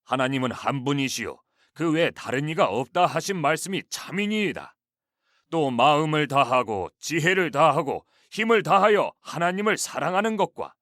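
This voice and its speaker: A man's voice: a little high, a bit bright, no room sound, studio quality. A man voicing a respectful scribe and disciples, speaking in a deferential, formal tone.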